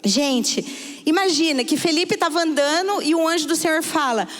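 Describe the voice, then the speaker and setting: Woman preacher, Brazilian Portuguese accent, high voice, church hall with long reverb. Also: normal speed. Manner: storytelling, swings between hushed and excited tones. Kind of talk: sermon.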